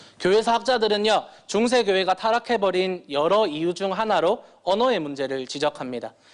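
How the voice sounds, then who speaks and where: Over a quiet background, the speaker uses lively intonation in a Busan accent. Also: man. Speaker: assistant pastor. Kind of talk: sermon. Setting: church. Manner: formal.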